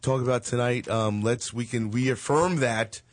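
A man's voice: mid-range voice, fairly even intonation, measured pace, dry recording, studio quality. A man in his forties hosting a chat show, rambling and joking with lots of fillers. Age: 40s. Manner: loose, rambling, joking, with frequent fillers and laughs. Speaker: show host. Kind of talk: casual chat show banter.

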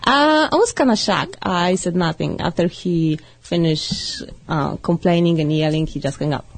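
A woman's voice: on the low side, moderate pace. A woman from Poland with a Polish accent, answering an interviewer's questions in short, hesitant replies with many fillers. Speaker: interview guest. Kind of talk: casual interview chat.

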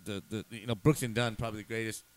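A man's voice: fairly low pitch, flat delivery, fast. A man hosting a casual interview, affirming his guest often and stammering with repeated words. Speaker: interview host.

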